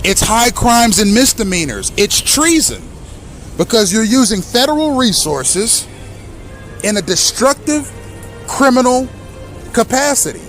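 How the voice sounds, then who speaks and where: A man in his thirties, a native English speaker, hosting an impassioned direct-address monologue with accusatory, emphatic speech and slow deliberate stresses. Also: very high voice, big pitch swings, fairly bright tone, faint music behind. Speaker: host.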